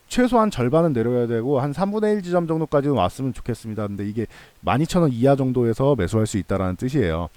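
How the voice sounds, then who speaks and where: A man hosting a stock analysis channel talks viewers through things in a casual, conversational way, reassuring them and repeating points for emphasis. His voice is mid-range with a dark tone, and the recording has no echo.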